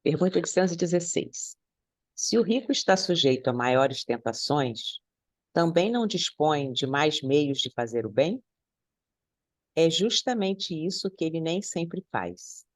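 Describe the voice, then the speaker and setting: A reader reading a text aloud to a study group in a measured way. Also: medium pitch, big pitch swings, no echo, clean studio sound.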